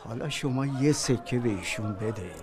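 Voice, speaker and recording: An actor playing a calm older male stranger with a white beard who settles a quarrel in measured, pious words. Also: medium pitch, a crowd in the background, natural voice. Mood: mediating. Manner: measured, soothing, pious phrasing.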